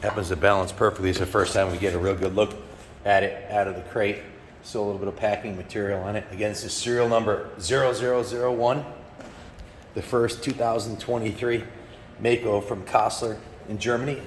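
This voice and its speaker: In a relaxed, enthusiastic tone, a man with a fairly low pitch talks at a fairly quick pace over noticeable background noise. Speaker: motorcycle dealer. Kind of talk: casual workshop narration to camera.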